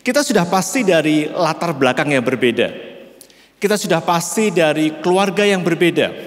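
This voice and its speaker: Middle-aged central javanese pastor, slow measured sermon, voice swoops around a lot, long church hall echo. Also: male voice, on the high side, animated. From Central Java, Indonesia. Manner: slow, measured delivery, often calls listeners "brother".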